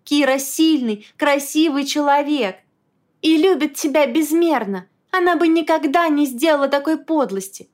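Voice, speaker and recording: A woman voicing an alarmed, fiercely loyal young female friend in an audiobook, in a shrill, excited, indignant manner. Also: a little slow, few pauses. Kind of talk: audiobook character voice.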